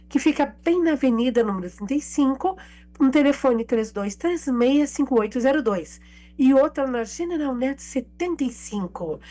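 Hoarse woman pharmacist giving radio tips. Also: high-pitched, a little mellow. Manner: explanatory, lists products and phone numbers. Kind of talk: radio health tips segment.

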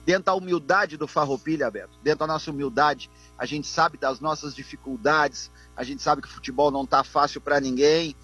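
Husky man on speakerphone. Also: on the high side, a little fast, hardly any pauses, a bit bright, soft background music. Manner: earnest, repetitive, keeps addressing the host. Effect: on speakerphone over a phone line. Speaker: football club vice-president calling in. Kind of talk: phone-in radio interview.

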